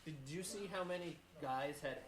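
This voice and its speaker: A man's voice: on the high side, moderate pace, a little hiss or hum. A man co-hosting a casual sports podcast, laughing often and reading out news items. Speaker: podcast co-host. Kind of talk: casual chat.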